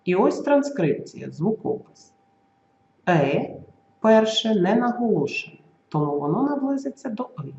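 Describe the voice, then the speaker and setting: A teacher giving a school video lesson, spelling out example sounds and words slowly and carefully. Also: mid-range voice, big pitch swings, darkish tone. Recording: roomy, slightly dull recording.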